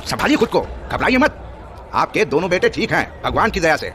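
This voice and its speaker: Self-righteous village man, high-pitched, swooping. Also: big pitch swings, a little fast. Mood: earnest, insistent. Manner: scolding, harsh, accusatory. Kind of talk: Hindi horror audio drama acting. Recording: noisy crowd and street ambience behind.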